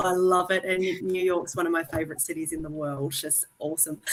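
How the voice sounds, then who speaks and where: A woman in an Australian accent at a moderate pace, with noticeable background noise. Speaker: panelist. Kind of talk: panel discussion. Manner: calm.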